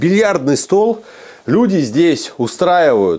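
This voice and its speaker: A man's very slow speech with lively intonation. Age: 30s. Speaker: video blogger. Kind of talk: casual on-location vlog interview. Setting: outdoors. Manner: animated. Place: home room. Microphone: phone near.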